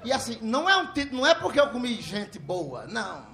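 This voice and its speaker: A middle-aged man telling a profane stand-up comedy story on a live stage, laughing through his lines and shouting when he acts out the people in it. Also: very high-pitched, fast talker, creaky, noisy background. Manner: loud, laughing, animated, profane, slips into shouted voices for characters.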